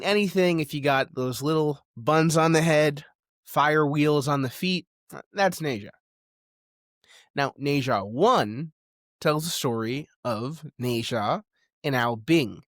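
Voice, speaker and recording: A man hosting a video essay, speaking in a conversational, emphatic way with dramatic pauses. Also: on the high side, a bit bright, dry recording, studio quality. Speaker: podcast host and video essayist.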